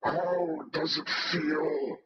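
A man voicing a menacing cyborg alien general through a voice changer filter, with a breathy, sickly wheeze and slow, drawn-out threats. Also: a little high, flat delivery, voice pushed up. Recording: roomy, dull lo-fi voice-changer audio.

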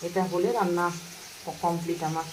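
A woman's voice: on the low side, level tone, normal speed, heavy background noise. A woman in her thirties chatting casually to viewers as she goes about her day at home and cooks. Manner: chatty, talks straight to viewers in a homely way. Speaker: vlogger and mother. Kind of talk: casual daily-life vlog narration. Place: home kitchen and rooms, indoors.

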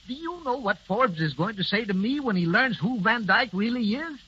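A flustered stammery husband, really bright high voice, muffled old-time radio broadcast. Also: male voice, animated, normal speed, husky, full character voice. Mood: stern. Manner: stammering, earnest. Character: fretful businessman husband, fond but exasperated. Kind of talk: 1930s radio drama acting.

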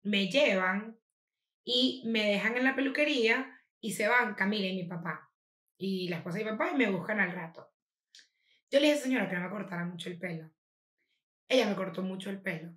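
A woman's voice: mid-range voice, fairly quick, pauses often, roomy sound. A young adult woman with a Venezuelan accent, co-hosting a podcast and telling stories in a casual chat, packed with slang. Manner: animated storytelling, heavy slang. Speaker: podcast co-host.

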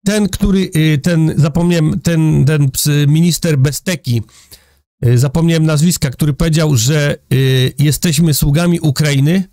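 A man's voice: a little high, a little mellow, no echo, clean studio sound. A middle-aged man from Poland giving sarcastic, indignant political commentary to his viewers from a room with a big window. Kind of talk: opinionated news commentary. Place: indoor room with a large window over a city.

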